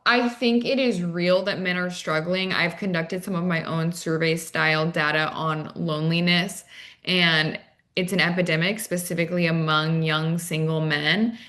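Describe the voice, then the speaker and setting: Bright-voiced American woman, casual interview guest. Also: on the low side, fairly even intonation, normal speed. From Arizona, United States. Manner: casual, peppered with "like" and "you know". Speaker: guest, dating coach. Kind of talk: conversational interview.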